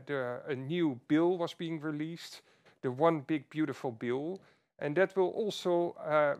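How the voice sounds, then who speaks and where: A man speaking as a chief executive on an earnings call, presenting in a halting way with repeated phrases. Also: a little high.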